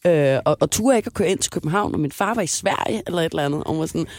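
A young woman co-hosting a radio show, telling an embarrassing story in an animated, laughing way. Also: deep voice, dry recording. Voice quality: lively, animated, laughs a lot. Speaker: radio co-host. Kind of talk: casual storytelling chat.

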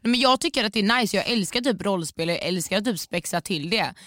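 A young woman in her twenties, podcast co-host, telling a story in casual chat with lively delivery and bits of English slang. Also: medium pitch, no echo, studio quality.

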